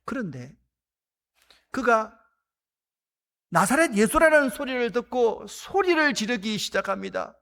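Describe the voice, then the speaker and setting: A man preaching a sermon as pastor, shouting out acted quotes and then dropping to hushed whispers. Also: very high voice, big pitch swings, a little slow, vocal fry, long pauses. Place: church sanctuary.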